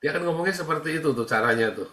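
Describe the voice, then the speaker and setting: A man's voice: fairly high pitch, expressive, rapid-fire, sharp tone. A man speaking as a pastor, teaching in a casual, conversational way, repeating phrases and acting out quoted dialogue. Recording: roomy echo.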